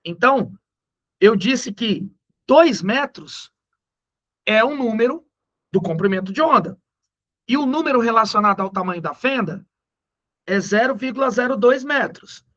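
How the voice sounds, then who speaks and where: A man with a Brazilian accent teaching physics in a recorded lesson. He talks in a slangy, joking way and slows down to stress the key numbers. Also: very high voice, expressive, a bit bright, dull audio. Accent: Brazilian Portuguese.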